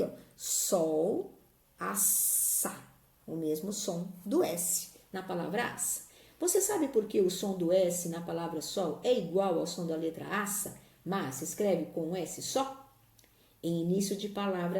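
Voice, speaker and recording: In a recorded remote lesson, a woman teacher with a Brazilian Portuguese accent patiently goes through spelling rules step by step. Her mid-range voice is mellow, and the sound is roomy.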